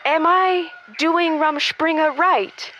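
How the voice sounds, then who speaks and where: Woman playing a high-voiced, naive young Amish woman. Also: steady tone, bright, forceful tone, highs cut off, slight background noise, exaggerated voice. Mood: puzzled, innocent. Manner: formal, quaint, halting phrasing. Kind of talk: improvised comedy call-in show acting.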